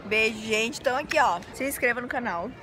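A woman's voice: fairly high pitch, expressive, fairly quick. A woman, vlogging in a playful, teasing chat, filmed on a phone at arm's length. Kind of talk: casual vlog chat. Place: busy airport waiting area. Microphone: phone camera at arm's length. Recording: busy crowd chatter behind.

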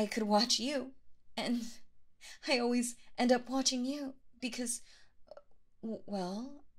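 Stammering, clingy yandere girlfriend. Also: a little high. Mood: stammering sweet.

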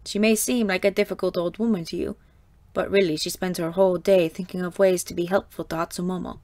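A woman reading an audiobook, voicing a stern older woman who runs a geisha house, with a raspy, scolding voice. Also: lowish voice, steady tone, fairly quick, darkish tone, dry recording, lightly acted.

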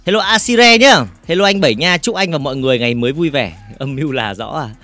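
A gaming livestreamer with a fairly high male voice hosts a casual stream, reading viewers' comments out loud and teasing them. He jokes a lot and rattles off repeated words in quick bursts, while faint game music plays softly underneath.

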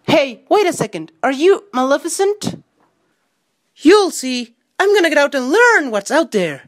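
A woman's voice: high-pitched, sing-song, measured pace. A woman voicing a determined young boy hero from a video game, earnest and defiant.

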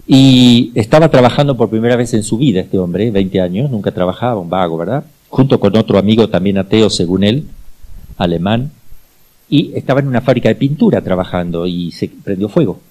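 An older priest delivers a sermon in a dark, mellow voice. He tells stories in a conversational way and acts out other people's lines with sudden high-pitched voices. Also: animated, a little fast, low-quality recording.

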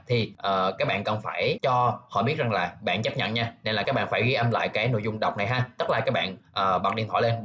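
A man walks viewers through a software tutorial at a rapid clip, friendly and conversational. His voice sits on the low side. The recording is dull and lo-fi. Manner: chatty, addresses viewers directly, ends sentences with friendly tag particles. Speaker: tech tutorial host. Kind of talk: casual screen-recorded tutorial narration.

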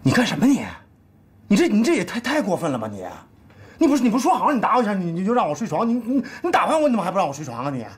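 An actor playing a sheepish middle-aged husband in a TV drama, stammering and coaxing, often speaking in a hushed voice. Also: male voice, lowish voice, lively intonation, moderate pace, husky. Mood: indignant. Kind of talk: TV drama acting.

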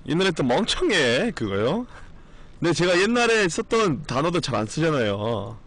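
A male streamer talks loosely with his viewers in a strained voice that is still recovering. At a moderate pace, his pitch swings in a lively way as he rambles, bluntly and with the odd curse.

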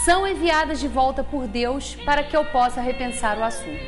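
A woman reading a story aloud in a measured way, seated at a table in a small meeting room. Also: high-pitched, music in the background. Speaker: speaker at a spiritist center.

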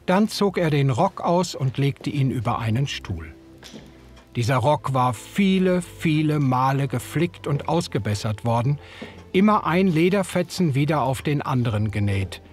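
A man narrating as a lively-voiced storyteller. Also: mid-range voice, faint music behind, natural voice. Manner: measured, old-fashioned storytelling. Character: young German man recalling the past. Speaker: first-person narrator. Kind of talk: scripted audiobook narration.

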